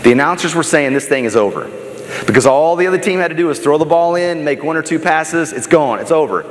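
This middle-aged American keynote speaker talks fast in a fairly high, expressive voice, animatedly telling stories on a big auditorium stage indoors. His delivery is motivational, emphatic, dramatic and conversational, recorded in an echoey hall with noticeable background noise.

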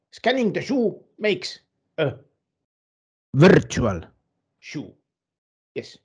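A man playing an eccentric, simple-minded field reporter in a comic news report, speaking haltingly and repeating himself with odd emphasis. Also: mid-range voice, breathy edge, pitched above the performer's own voice, full character voice. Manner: halting, repetitive, oddly emphatic.

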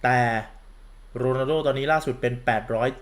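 A man's voice: mid-range voice, fairly even intonation, fairly quick. A campy man gives a sarcastic, crude-mouthed football commentary rant, calling himself big sister. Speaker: football vlogger.

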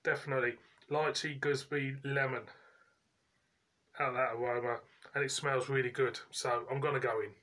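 Male reviewer, 40s, bright punchy voice, mid pitch, colloquial and casual. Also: steady tone. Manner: informal, colloquial, pauses mid-sentence. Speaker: beer reviewer and host. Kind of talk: casual chatty video review. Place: indoors, living room at home.

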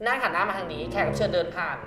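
A woman's voice: on the low side, racing. A woman hosting a comedic guessing-game show, brash and teasing, swearing freely and shrieking with laughter. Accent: Thai. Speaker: host.

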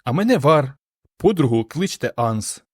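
A man voicing an eager, excitable young woman who exclaims brightly in an audiobook. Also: medium pitch, unhurried, slightly rough, no room sound, studio quality. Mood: excited. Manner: exclaiming, bubbly.

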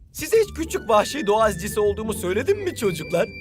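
A very high, eager goofball. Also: male voice, sing-song, normal speed, over music. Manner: earnest, pleading. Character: eager goofy male scout-minded player. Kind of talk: dubbed cartoon acting.

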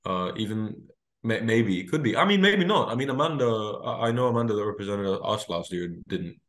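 A teenage man from Greece chatting as a guest on a video-call interview, talking in quick, animated bursts with many restarts. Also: fairly low pitch. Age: teens. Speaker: guest singer. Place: small room indoors. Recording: echoey room on video call.

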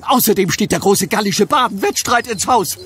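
An actor playing a vain, touchy village bard in a comic audio play, declaiming pompously and theatrically. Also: male voice, high-pitched, lively intonation, moderate pace, a bit bright, slightly rough, heavily acted. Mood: haughty.

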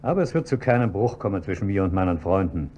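An actor playing a proud, wealthy gentleman in a German radio crime drama, speaking formally and coldly. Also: deep voice, very animated, fast. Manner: stiff, formal speech. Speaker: husband. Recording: dull old radio recording with faint hum.

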